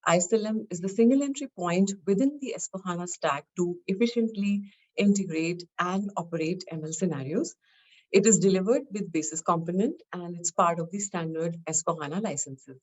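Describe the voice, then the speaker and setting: Low-pitched woman presenting technical material. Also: poor audio. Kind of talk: scripted product presentation.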